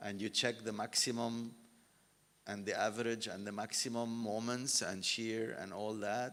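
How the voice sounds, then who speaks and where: Audible room echo surrounds a man speaking at a moderate pace. His medium-pitched voice has monotone, flat intonation. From Lebanon, Beirut. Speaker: geotechnical engineer. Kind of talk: conference talk. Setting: stage with audience.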